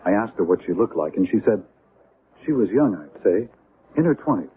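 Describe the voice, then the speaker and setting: Deep-voiced, composed doctor. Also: male voice, sing-song, normal speed. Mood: rueful, measured. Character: composed, probing male doctor, rueful and matter-of-fact. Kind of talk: old-time radio drama acting. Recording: tinny, noisy old radio recording.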